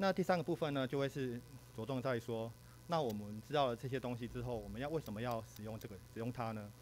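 A man with an ordinary speaking voice talks at a fairly quick pace. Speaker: software developer, conference speaker. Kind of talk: technical talk. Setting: stage with audience.

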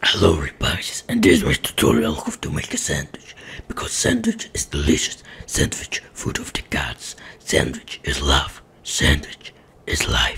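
Whispering, a man speaks at a moderate pace. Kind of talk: comic tutorial. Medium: machinima. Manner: earnest, blunt, comically emphatic.

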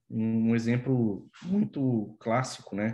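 A man's dark, mellow tone at a very slow pace. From Goiás, Brazil. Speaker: physics professor and researcher; physics professor. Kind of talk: lecture. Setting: video call. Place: home room. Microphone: headset.

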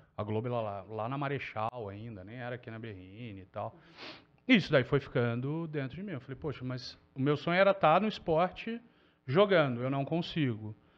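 Loudness rises and falls sharply. The man speaks at a moderate speed. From Rio de Janeiro, Brazil. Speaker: sports journalist. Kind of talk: casual chat. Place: studio.

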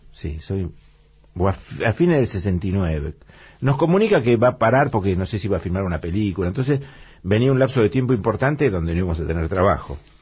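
With a fairly low, somewhat breathy voice, a man speaks at a fairly quick pace with lively intonation against a quiet background. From Argentina, Buenos Aires area. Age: 70s. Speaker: saxophonist. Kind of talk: radio interview. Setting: radio studio. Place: studio. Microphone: studio mic.

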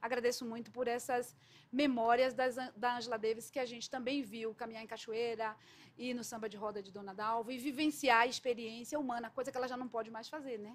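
Her high pitch held in a monotone, flat intonation, a woman talks at a fairly quick pace with big swings in loudness. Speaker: audience member. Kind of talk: audience question. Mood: engaged, reflective. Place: classroom. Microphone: handheld.

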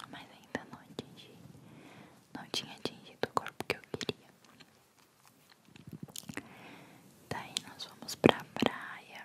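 A soft-spoken woman is whispering at a very slow pace. She leaves long, frequent pauses. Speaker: ASMR creator. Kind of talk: personal story chat, soft-spoken. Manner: soft close-mic whisper. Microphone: studio mic.

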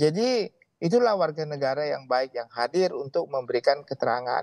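A man with lively intonation against a quiet background. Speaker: legal expert; guest. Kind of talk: TV news interview. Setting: video call. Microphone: video call.

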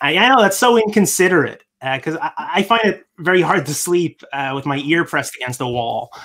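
In a quiet setting, a man with a high voice talks at a fairly quick pace with lively intonation. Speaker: comedian. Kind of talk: casual banter and short stand-up set. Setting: video call. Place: home room.

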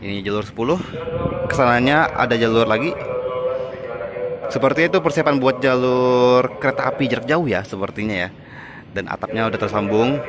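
Amid noticeable background noise, a man talks at a moderate pace with a dry sound that has no echo. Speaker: travel vlogger. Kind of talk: casual vlog commentary. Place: station. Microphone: phone near.

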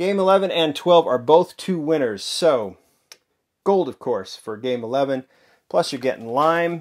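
The tone is upbeat with lively intonation at a very slow pace. The background is quiet. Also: man, fairly high pitch for a man. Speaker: charity drawing host. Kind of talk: game show host drawing. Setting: home video recording. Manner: upbeat, brisk, chatty. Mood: upbeat, congratulatory. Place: home room. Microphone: phone near.

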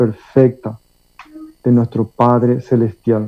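The man speaks with a monotone, flat intonation. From Paraguay. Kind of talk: religious testimony in an online meeting. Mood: earnest, emotional. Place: home room. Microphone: earbuds.

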